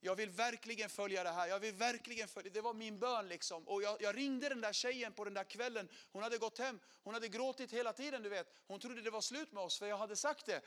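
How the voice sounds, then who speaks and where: A middle-aged man telling his conversion story as a sermon testimony, animated, acting out quotes and swinging from loud to hushed. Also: high voice, hardly any pauses.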